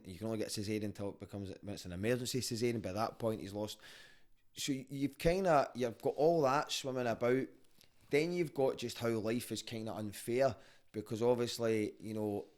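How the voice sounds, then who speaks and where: A man's voice: fairly low pitch, darkish tone. A man with a Glaswegian street Scottish accent, chatting casually and telling stories in a candid, sweary, conversational way. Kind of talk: casual podcast chat and storytelling.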